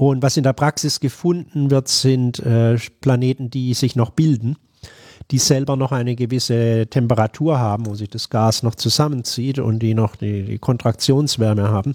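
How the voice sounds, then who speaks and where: A voice with a dark, mellow tone and fairly even intonation moves at a moderate pace, recorded with a dry, close sound with no echo. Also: man, medium pitch for a man. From northern Baden-Württemberg, Germany. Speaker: astrophysicist. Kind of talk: interview. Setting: in person on Tenerife.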